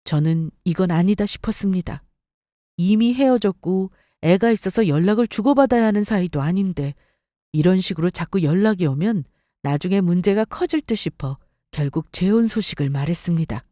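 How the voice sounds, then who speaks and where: A woman narrating a dramatized personal story for story radio and voicing her own sharp-tongued replies. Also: fairly low pitch, expressive, normal speed, no echo, studio quality.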